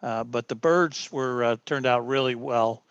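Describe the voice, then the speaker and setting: A man's voice: medium pitch, a little slow, clear, resonant tone, no echo. A man hosting a club's video meeting, telling a rambling story full of fillers and restarts. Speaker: club meeting host. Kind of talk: casual chat on a video meeting. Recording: dull dry mic sound.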